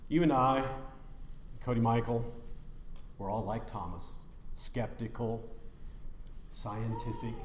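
A man's voice: on the high side, a little hiss or hum. Man preaching with roomy church echo. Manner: animated, emphatic preaching with sudden drops to quiet. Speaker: pastor. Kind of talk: sermon.

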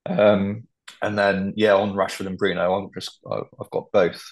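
Podcast co-host, male, low flat voice, rambly and hesitant. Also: normal speed. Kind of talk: casual football chat.

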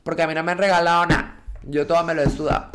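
A man with a Venezuelan accent co-hosting a podcast, telling stories in an expressive, casual way and swearing freely. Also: a little high, very fast, music in the background. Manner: expressive storyteller, swears casually, dramatic mock-pleading. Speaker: podcast co-host. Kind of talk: casual chat.

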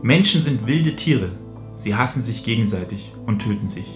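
A man reading aloud the lines of a mysterious, fatalistic disembodied voice in a short story, speaking in calm, solemn statements. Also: mid-range voice, moderate pace, reverberant, music in the background, natural voice.

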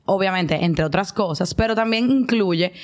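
Una mujer conduce una entrevista de podcast con preguntas extensas y conversadas. Su forma de hablar es suelta y parlanchina. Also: female voice, mid-range voice, moderate pace. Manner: chatty, rambling questions. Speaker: podcast host. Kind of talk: casual podcast interview.

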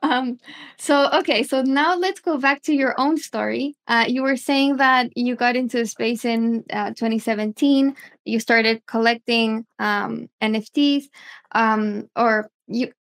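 A woman's voice: fairly high pitch, a little slow, fairly bright tone. A woman hosting a podcast interview, framing long questions with many fillers.

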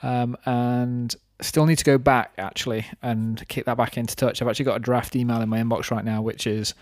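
A man's voice: mid-range voice, level tone, fairly quick, a little mellow, dry recording, studio quality. A man of thirty chatting casually on a podcast in a reflective, rambling way, explaining his own thinking. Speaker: podcast host and business owner.

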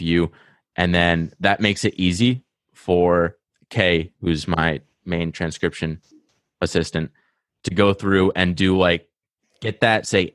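Casual podcast talk from a man whose Rhode Island accent comes through in a low, slightly bright voice. Eager and chatty, he speaks at length and often interrupts himself to restart. No room sound is audible.

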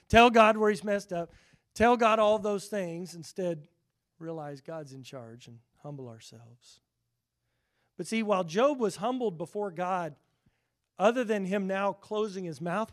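A middle-aged man preaching a sermon in an earnest way, getting louder when he quotes scripture and quieter for asides; he has a high voice for a man. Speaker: pastor.

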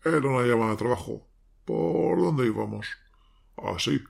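Wicked ghoulish horror host played by a man: very creaky, husky, theatrical and mocking. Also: mid-range voice, expressive, moderate pace, heavily acted. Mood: gleefully sardonic. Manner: sardonic, theatrical, cackling. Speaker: host presenting horror tales. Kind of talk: theatrical horror anthology introduction.

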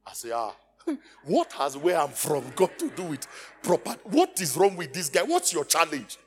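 A man's voice: on the high side, normal speed, over music. A middle-aged Nigerian man preaching a storytelling sermon, acting out dialogue and calling on the congregation to respond. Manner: animated, acts out dialogue, calls on the congregation. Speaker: pastor.

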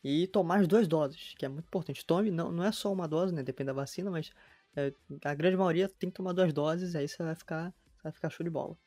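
A man's voice: fairly high pitch, fast, warm tone, no room sound, soft background music. A man of twenty, hosting a podcast in a chatty, slangy way and reading a promo with energy. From Brazil. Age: 20s. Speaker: podcast host.

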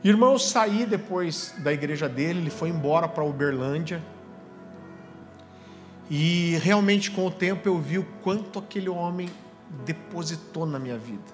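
Brazilian pastor guy preaching, lively slangy storytelling, kinda high voice, long church echo and soft music under it. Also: normal speed. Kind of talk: sermon. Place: church hall. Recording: music under voice in a reverberant hall.

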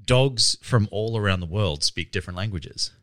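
A man's voice: lowish voice, normal speed, a bit bright, no room sound, studio quality. A man co-hosting a podcast, teasing dryly and laughing often. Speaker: podcast co-host. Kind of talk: casual chat.

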